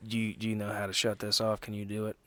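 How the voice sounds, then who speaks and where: A man voicing a swaggering male gunslinger in a tabletop game, taunting and loud. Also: fairly low pitch, completely flat delivery, fast, no room sound, lightly acted. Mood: impatient. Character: cocky male gunslinger fond of catchphrases.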